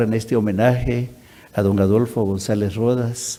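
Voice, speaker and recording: Medium-pitched and dark, mellow in tone, a man speaks at a moderate pace with fairly even intonation. Audible room echo is present. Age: 60s. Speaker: law professor. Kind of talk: ceremonial speech. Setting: hall with audience. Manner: halting, with many fillers.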